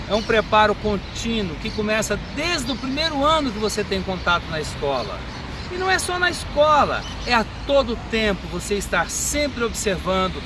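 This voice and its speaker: A Brazilian man in his fifties, a forensic medical examiner, answering interview questions in a measured, teaching manner. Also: sits high. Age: 50s. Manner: measured, didactic. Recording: street and car noise behind.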